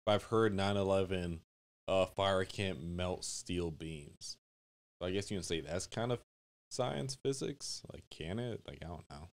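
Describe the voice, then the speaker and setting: A man's voice: deep voice, unhurried, dry recording. A man from Connecticut, a podcast guest, chatting in a laid-back, joking way with a lot of "like" in a studio. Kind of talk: casual podcast chat.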